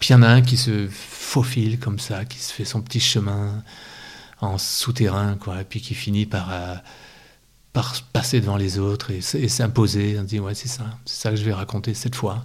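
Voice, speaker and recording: A man talks at a fairly slow pace in a somewhat breathy, fairly low voice with fairly even intonation. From Auvergne, France. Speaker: children's author. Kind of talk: interview. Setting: at home. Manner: halting.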